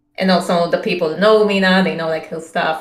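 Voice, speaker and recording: Noticeable background noise sits behind a woman's voice. She talks at a fairly quick pace with a fairly low pitch. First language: not English. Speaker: animator and online artist. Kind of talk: podcast interview.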